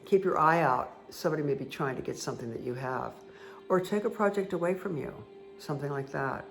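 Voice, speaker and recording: A woman with a croaky voice giving a casual, chatty tarot card reading that speaks directly to the listener. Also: deep voice, a little fast. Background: background music.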